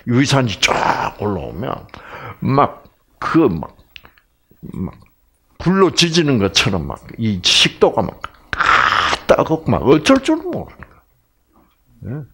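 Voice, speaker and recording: An older man giving a health lecture on stage in a large lecture hall. He is animated and swings between exclamations and hushed asides. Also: mid-range voice, a little slow, long pauses, slight background noise.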